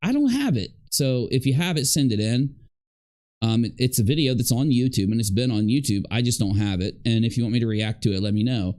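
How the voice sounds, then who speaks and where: Man, medium pitch, livestream host, casual reaction commentary, addresses viewers, poses hypothetical questions. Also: lively intonation, fairly quick, warm tone. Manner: talks directly to viewers, posing hypothetical questions.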